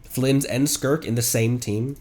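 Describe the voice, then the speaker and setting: A man's voice: medium pitch, steady tone, a little slow, darkish tone. A man livestreaming a video game with casual, rambling commentary, thinking aloud as he plays. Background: video game music.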